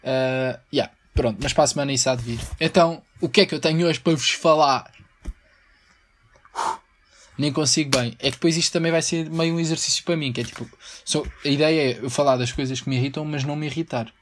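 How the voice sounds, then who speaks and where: A man's voice: fairly high pitch, fairly even intonation, fast talker, fairly bright tone. Young Portuguese man rambling on a podcast. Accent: European Portuguese. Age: young adult. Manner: rambling and slangy, breaks into mock singing. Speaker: podcast host. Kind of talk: casual solo podcast chat.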